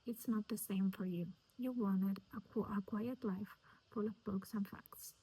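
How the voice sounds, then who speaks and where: A woman's voice: fairly even intonation, unhurried, dark tone, slightly rough, low-quality recording. A woman whispering the lines of an intense young man who guards his lover, reading them from a novel. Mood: tender. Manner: whispered, low and intimate.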